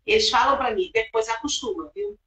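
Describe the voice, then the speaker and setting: A woman's voice: a little high, a little fast, fairly bright tone. A woman teacher from Rio de Janeiro with a Carioca accent, co-hosting a live video chat in a hesitant, conversational way. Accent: Carioca Portuguese. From Rio de Janeiro, Brazil. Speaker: teacher and co-host. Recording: roomy, dull sound.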